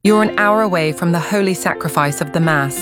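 A woman reading a station promo in a crisp promotional way. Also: lowish voice, a little fast, over music. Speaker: station announcer. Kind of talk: radio promo.

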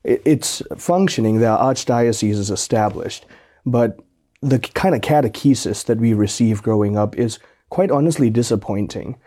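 A man's voice: fairly low pitch, moderate pace, mellow. A man from Malaysia, a guest explaining things articulately with some repeated starts. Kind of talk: interview storytelling.

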